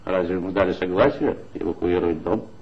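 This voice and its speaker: A gravelly, weary police commissar. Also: male voice, sits low, fast talker, a little hiss or hum. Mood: firm. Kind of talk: 1960s radio play acting. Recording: dull 1960s radio play recording.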